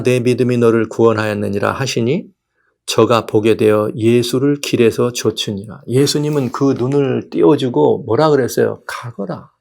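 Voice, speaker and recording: A male pastor giving a lively sermon, often putting rhetorical questions to the congregation. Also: mid-range voice, gravelly. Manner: animated preaching, asks rhetorical questions.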